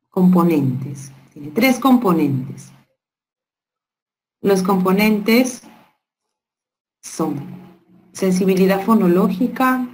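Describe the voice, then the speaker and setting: A woman's voice: medium pitch, a little mellow, slight background noise, poor audio. A woman giving an online workshop lecture to teachers, explaining step by step and checking in with rhetorical questions. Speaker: teacher trainer.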